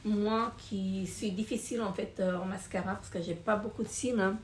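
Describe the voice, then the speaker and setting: A woman's voice: mid-range voice, steady tone, moderate pace. A middle-aged woman casually reviewing finished beauty products, hesitant, with many fillers and repeated words. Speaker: beauty vlogger. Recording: echoey room with faint noise.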